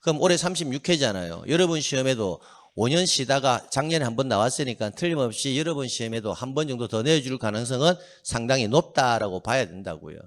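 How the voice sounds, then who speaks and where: A man's voice: mid-range voice, fast talker, hardly any pauses. A middle-aged man lecturing on exam prep, often asking a question and answering it himself, drilling his students to repeat key phrases aloud, and adding joking asides. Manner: animated, asks and answers his own questions.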